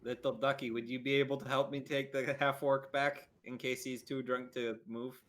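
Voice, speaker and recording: A man's voice: medium pitch, flat delivery, moderate pace, a bit bright. A man playing a tabletop role-playing game, speaking in casual, playful banter. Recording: noticeable noise with clicking.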